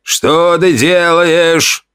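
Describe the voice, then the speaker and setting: A man voicing a slow, wondering tribal shaman. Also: fairly high pitch, fairly even intonation, a bit bright, clear, resonant tone, pitched above the performer's own voice. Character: cunning shaman, slow and doubting. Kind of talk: audiobook character voice.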